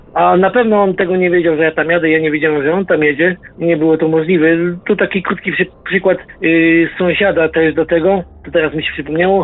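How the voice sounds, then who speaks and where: A man's high-pitched, very fast speech with very even loudness and fairly even intonation, amid noticeable background noise. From Upper Silesia, Poland. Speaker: caller sharing paranormal experiences. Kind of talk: testimony.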